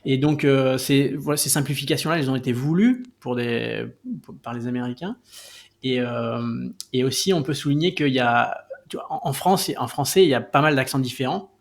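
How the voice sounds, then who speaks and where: A man's voice: medium pitch, moderate pace, vocal fry. A man explaining things as a guest in a casual interview, with lots of fillers and restarts. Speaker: guest, co-founder of a language site.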